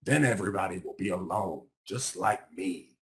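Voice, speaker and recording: Guy doing a grumbly lil male gator for a kids book, lonely n spiteful, really animated. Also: sits low, normal speed, a little hiss or hum, pitched below the performer's own voice. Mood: scheming, bitter. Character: lonely, spiteful young male alligator troublemaker. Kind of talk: picture-book character voice.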